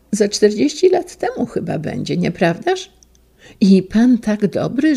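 A woman doing a kindly old schoolteacher in a storybook reading, his trembling voice husky and gravelly, pitched a little lower than most. He speaks slowly and tenderly, in a mellow, dark tone. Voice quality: trembling yet clear voice. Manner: tender, reminiscing.

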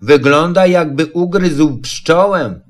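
A man's voice: fairly high pitch, expressive, slow pace. A man voicing a gloomy, self-pitying old donkey in a storybook reading, mournful and drawn out. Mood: sarcastic.

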